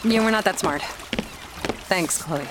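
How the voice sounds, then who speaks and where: A woman playing an earnest, sharp-witted journalist adventurer, direct and probing, in an action-adventure drama. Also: on the low side, unhurried, noisy background, lightly acted. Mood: dry. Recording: loud music behind the voice. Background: loud music.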